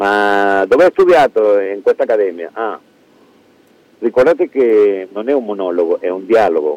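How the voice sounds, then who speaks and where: In a dry, close recording with no echo, a man speaks at a moderate pace and a fairly low pitch, using ordinary pitch variation and long, frequent pauses. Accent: Spanish. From Venezuela, Caracas. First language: Spanish (speaking Italian). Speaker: actor. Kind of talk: casual chat. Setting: phone call.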